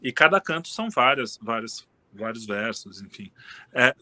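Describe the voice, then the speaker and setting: A man's voice: medium pitch, moderate pace. A man talking casually as a guest in an interview, rambling and restarting his sentences often. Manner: relaxed, rambling, frequent restarts and fillers. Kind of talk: casual conversation.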